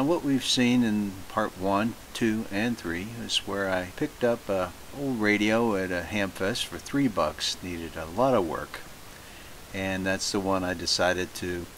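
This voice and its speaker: A man talks his viewers through a hobby radio restoration in a relaxed, plain-spoken way. His voice sits a little low, and he stops often on small filler pauses. A faint hiss runs underneath. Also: poor audio. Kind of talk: casual video narration.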